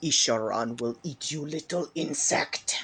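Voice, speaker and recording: A rumbling, put-on character voice at low-to-middle pitch moves at a fairly slow pace. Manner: menacing.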